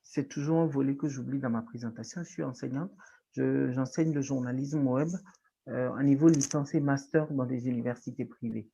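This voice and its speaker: A woman with a Togolese French accent, a guest on an interview show who teaches journalism, speaking thoughtfully with pauses and restarts. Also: extremely low pitch, steady tone, gravelly, mellow, breathy edge, dull audio. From Togo. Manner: thoughtful, with frequent hesitations and restarts. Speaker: guest, writer and journalism lecturer. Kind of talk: reflective interview talk.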